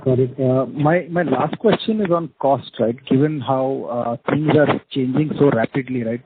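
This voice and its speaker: Through a tinny phone connection with light noise comes a man with a medium-pitched voice. He is an analyst asking questions off the cuff, a little hesitant as he feels out his wording. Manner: hesitant, repeats words and adds "right?" as a check. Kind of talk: spontaneous questioning on an earnings call. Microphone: telephone conference call.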